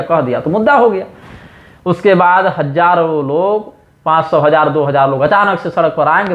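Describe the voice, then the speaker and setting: Emphatic man in a roomy, dull recording. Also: on the high side. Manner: emphatic, builds points through rhetorical questions. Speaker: religious teacher giving a discourse. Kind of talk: impassioned monologue.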